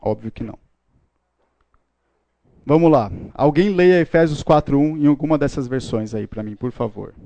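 Playful teacher, mellow voice. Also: male voice, mid-range voice, moderate pace, long pauses. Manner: playful, joking with the class. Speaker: Bible teacher. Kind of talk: classroom lecture. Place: classroom with a live audience.

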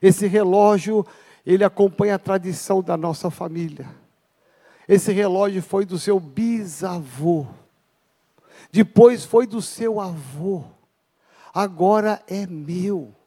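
A preacher voicing a frail old dying father who speaks slowly and wearily, in a reverberant hall. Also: high voice, warm tone, pitched below the performer's own voice, full character voice. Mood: weary.

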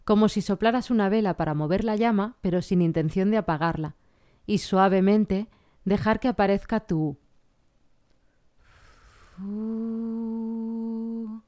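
A woman vocal coach explaining singing technique in a clear, patient way. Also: medium pitch, brisk, mellow. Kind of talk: singing lesson with sung vocal examples.

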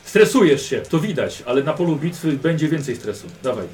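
A man's voice: a little high, expressive, a little fast. Man as game master, patient and instructive, distant mic, faint background noise. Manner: patient, instructive, drill-like repetition. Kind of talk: narrating a tabletop game in character.

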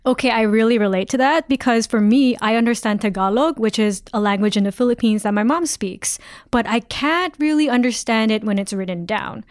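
A woman's voice: fairly high pitch, fairly quick, no echo, studio quality. A woman from Canada, a reporter, chatting playfully on a podcast and reading narration. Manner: animated, playful storyteller. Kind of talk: casual chat and scripted narration.

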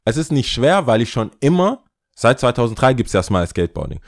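A man chats on a podcast with lively, animated storytelling, pitched at a medium height. He keeps slipping English slang into his talk, loose and relaxed. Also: fairly quick. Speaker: podcast guest. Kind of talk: casual storytelling chat.

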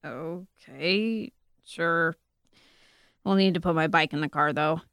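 A woman's voice: takes it slowly, a bit bright, clean tone, dry recording, clean studio sound, full character voice. A woman acting a guarded, skeptical older sister in an audio drama, terse and blunt. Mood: wary, irritated. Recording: noisy ambience, vehicle rumble behind.

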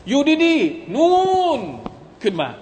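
Man, Quran commentary lecture, animated delivery, faint background ambience. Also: high voice, moderate pace, in a large hall, slight background noise. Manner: animated, rising to emphatic peaks, addresses listeners as brothers. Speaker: Islamic teacher.

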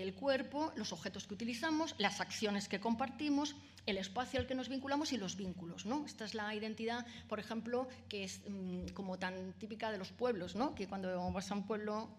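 A woman with a Peninsular Spanish accent giving an academic lecture, explaining step by step and checking in with frequent tag questions and fillers. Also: medium pitch. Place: lecture room with audience.

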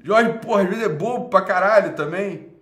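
A man with a Brazilian accent on a live stream who swears constantly, laughs loudly and mocks his viewers. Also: high-pitched, normal speed, echoey room. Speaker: livestreamer. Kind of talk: profane rant and lecture on a live stream.

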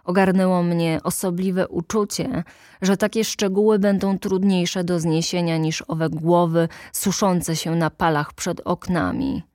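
A woman reading a literary audiobook aloud in a measured, deliberate way with dramatic pauses, close to the microphone. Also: fairly low pitch, steady tone, a little mellow, no room sound. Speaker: audiobook narrator.

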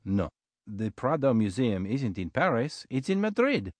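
An actor playing a polite Frenchman being interviewed in a scripted English lesson dialogue, speaking slowly and clearly. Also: medium pitch, big pitch swings, no echo. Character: French male interview guest Pierre. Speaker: guest in scripted language dialogue.

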